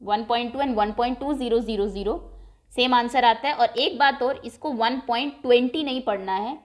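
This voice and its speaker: A woman maths teacher explaining a lesson step by step, patient and clear, often checking in with the class. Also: fairly high pitch, moderate pace.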